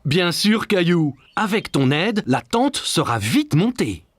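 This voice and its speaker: A performer voicing a calm, caring father in a French-language children's cartoon, speaking in a reassuring, cautioning way. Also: mid-range voice, slow, no room sound, faint music behind. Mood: helpful.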